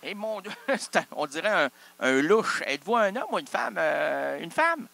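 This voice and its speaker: Speaking in Québécois French, a male comic riffs through an absurd improvised monologue full of wordplay, asking himself questions and answering them. His voice is a little high, creaky and sharp, with lively intonation and a normal pace.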